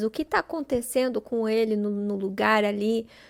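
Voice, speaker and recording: A soft-spoken woman at a fairly slow pace, fairly high in pitch with fairly even intonation, on a very clean recording with a silent background. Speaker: book vlogger. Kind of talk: casual vlog talk. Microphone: holding the microphone close.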